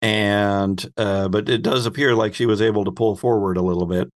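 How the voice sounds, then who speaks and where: A man's voice: on the low side, steady tone, normal speed. Man narrating as game master, conversational.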